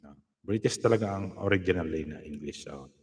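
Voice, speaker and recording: A man hosting a casual live stream, reading out viewer comments and giving shout-outs, laughing often. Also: low voice, fairly quick, long reverb tail, noisy background. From Philippines.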